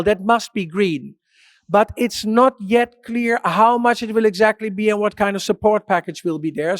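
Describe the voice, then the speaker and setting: A man with a notably high voice gives an ordered conference presentation, laying out his points one by one. The recording is dry and close. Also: no echo. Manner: structured, policy-focused delivery. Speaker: conference speaker.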